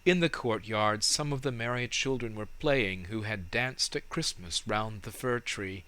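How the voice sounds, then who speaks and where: A man narrating a storybook in a measured, dramatic and expressive way. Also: lowish voice. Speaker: audiobook narrator.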